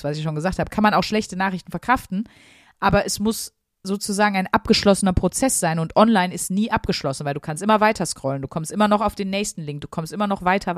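Chatty woman, lowish dry voice. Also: quick pace, dry recording. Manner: chatty, earnest, talks it through with many fillers. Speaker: podcast co-host. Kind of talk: casual podcast chat.

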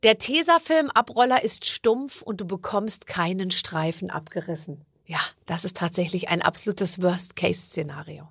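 A woman's voice: on the low side, normal speed, gravelly, few pauses, slightly rough, dry recording, clean studio sound. A woman host with a slight Swabian accent, reading out game prompts and teasing her guest playfully. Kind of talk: game show hosting and casual chat.

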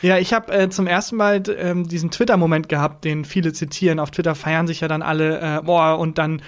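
A young man from Germany in casual podcast chat, with a notably high-pitched voice. He tells stories animatedly, dropping into hummed tunes and mimicked voices along the way. His talk stays loose and conversational. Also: fairly even intonation, a little fast. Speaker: podcast co-host.

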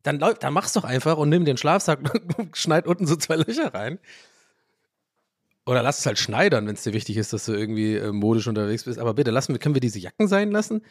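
Rambling, animated man on a podcast. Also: mid-range voice, quick pace, no echo, studio quality. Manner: rambling and animated, restarts sentences, laughs often. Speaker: podcast host. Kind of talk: casual solo podcast monologue.

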